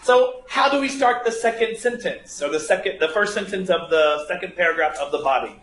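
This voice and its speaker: A man with a high-sitting, expressive voice and a fairly bright tone talks at a brisk clip while teaching a writing class live. Thinking aloud, he playfully teases his students with questions, captured in an echoey room with faint noise behind him.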